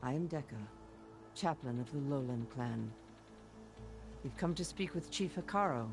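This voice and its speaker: A man playing a solemn, steadfast tribal chaplain in a video game, speaking in a measured, oratorical way. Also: mid-range voice, animated, over music, natural voice. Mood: calm, welcoming. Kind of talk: dramatic video game acting.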